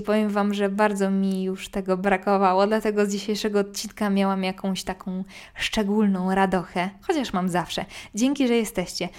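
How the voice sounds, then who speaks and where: A woman hosting a podcast, reading listener-sent scary stories in a calm, measured narration. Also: medium pitch.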